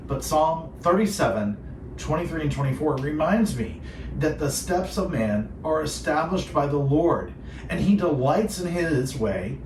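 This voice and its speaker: A man's voice: a little high, lively intonation, a little slow, a little mellow. Distant, echoey man hosting Christian radio. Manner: earnest, reflective, polished phrasing. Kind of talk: devotional radio talk with co-host. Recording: roomy echo, distant, clearly noisy.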